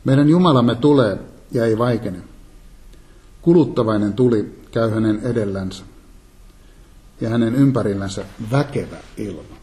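A man giving a calm, measured Bible teaching sermon, reading and explaining scripture. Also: medium pitch. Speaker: preacher.

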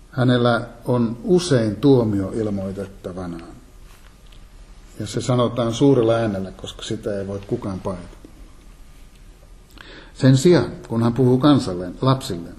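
A man giving a calm, measured Bible teaching sermon, reading and explaining scripture. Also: on the low side. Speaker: preacher.

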